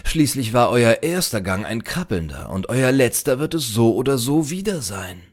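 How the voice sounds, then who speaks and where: A man's voice: medium pitch, big pitch swings, normal speed, voice pushed up. A man voicing a preachy, self-certain old librarian in a storybook, with a pompous, archaic, lecturing manner. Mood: reproachful, certain.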